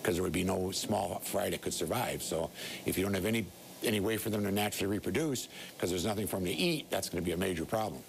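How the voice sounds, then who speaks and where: A man's voice: sits low, expressive, quick pace, vocal fry. An American man giving an informal interview, plainspoken and rambling, with some background noise. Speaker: local business owner being interviewed. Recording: light background ambient noise.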